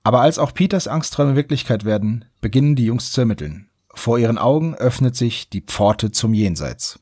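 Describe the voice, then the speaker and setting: A male podcast host talks in a relaxed, conversational way. His voice is rather husky and mid-pitched, and the sound is dry with hardly any room to it. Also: a little fast, dry recording. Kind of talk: casual podcast chat.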